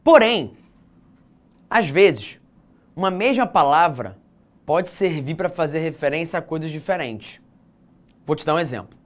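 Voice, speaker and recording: A man's voice: fairly high pitch, expressive, measured pace, long pauses. A man with a Brazilian accent teaching an exam-prep geography lecture, stressing key words and speaking straight to his students.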